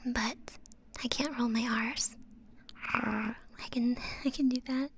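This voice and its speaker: A woman's voice: fairly high pitch, steady tone, takes it slowly, slight background noise. A woman streamer whispering playfully and teasingly to her chat, close to the microphone. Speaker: VTuber streamer. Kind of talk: whispered ASMR-style live stream chat.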